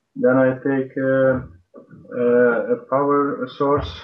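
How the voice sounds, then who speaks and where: A man speaks very slowly at a medium pitch. He has a non-native accent. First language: not English. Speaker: hobbyist experimenter. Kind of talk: technical explanation. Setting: Skype call. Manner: halting.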